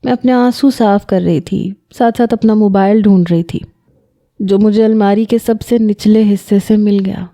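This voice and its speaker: Warm-voiced woman narrating a story. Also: mid-range voice, steady tone. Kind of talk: first-person scripted story narration.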